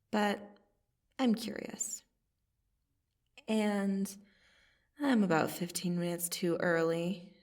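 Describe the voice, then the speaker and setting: A woman playing a cocky, teasing vampire assassin in an ASMR roleplay, casually menacing, with a sardonic delivery and long pauses. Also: fairly low pitch, darkish tone, far from the mic. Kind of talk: ASMR roleplay monologue to the listener.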